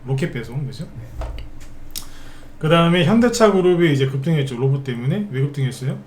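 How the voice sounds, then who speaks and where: A man runs through the day's market movers in a live stock broadcast. His voice is mellow and dark, chatty, peppered with quick tag questions he answers himself. It sounds like an echoey room with a little background noise. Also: fairly high pitch, animated.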